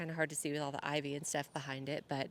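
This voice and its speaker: A soft-spoken woman at a very fast pace. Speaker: vlogger. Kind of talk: casual vlog talk. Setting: outdoors.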